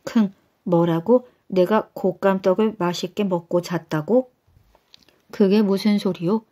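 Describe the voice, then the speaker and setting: A woman's voice: medium pitch, fairly even intonation, measured pace, warm tone, lightly acted. Woman doing a sniffling nasal old man. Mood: scolding. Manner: snorts "keung" before speaking, scolding.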